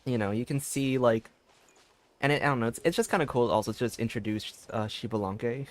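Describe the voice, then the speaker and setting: A man's voice: mid-range voice, brisk. A man streaming a video game, giving casual, loosely rambling and hesitant commentary. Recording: game music under the voice.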